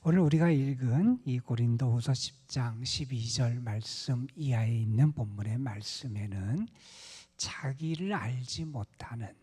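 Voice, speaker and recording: A male pastor gives a dawn prayer sermon, his mellow, husky voice often dropping to a near whisper. The sound carries a long reverb from the church sanctuary. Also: medium pitch. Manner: soft-spoken, often half-whispered delivery.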